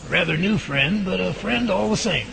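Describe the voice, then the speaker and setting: An actor playing an earnest, curious man who leads a team of creature researchers in an audio drama, speaking deliberately. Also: high voice, expressive, vocal fry, background noise, exaggerated voice. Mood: friendly, respectful. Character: earnest, curious male Bigfoot researcher leading his team.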